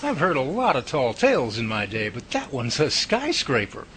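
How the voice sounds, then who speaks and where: A man's voice: mid-range voice, huge pitch swings, normal speed, background noise. A man playing a folksy, skeptical comic sidekick in an audio drama, exaggerated and incredulous in manner.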